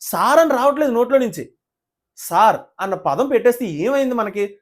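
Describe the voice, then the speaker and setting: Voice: medium pitch, lively intonation, brisk. A reality show reviewer giving casual commentary to the camera, indignant, full of rhetorical questions and direct appeals to viewers.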